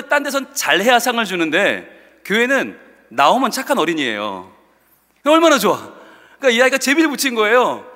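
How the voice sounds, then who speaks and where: Brief: high, bright male preacher, storytelling sermon, reverberant church. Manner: animated, acts out quotes. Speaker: pastor. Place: church sanctuary.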